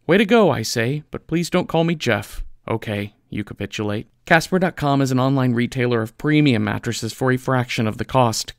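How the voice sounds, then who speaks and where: Gravelly man reading a playful ad. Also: medium pitch, no room sound, clean studio sound. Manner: playful, deadpan, conversational. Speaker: podcast writer reading a sponsor ad. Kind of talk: scripted comedic ad read.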